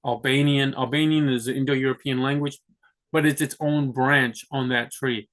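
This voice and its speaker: Young man, casual vlog monologue, rambling with lots of restarts, mid pitch. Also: fairly even intonation, moderate pace, a bit bright. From United States. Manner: rambling, many restarts and "like" fillers. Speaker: vlogger. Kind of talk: casual talk to camera.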